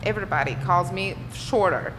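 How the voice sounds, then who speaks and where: A woman's voice: medium pitch, fairly quick, a bit bright. Brazilian woman, echoey, chatty guest. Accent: Brazilian Portuguese. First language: Portuguese. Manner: chatty, restarts, laughs often. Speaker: guest musician. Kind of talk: casual interview chat. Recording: echoey room with clear background noise.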